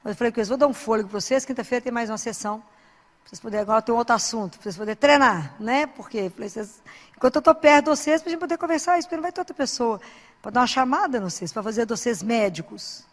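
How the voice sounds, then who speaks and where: A woman's voice: a little high, animated, rapid-fire. Earnest woman preaching in a reverberant hall. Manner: conversational, earnest, exhorting. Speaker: Christian speaker and doctor. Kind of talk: informal sermon with anecdotes.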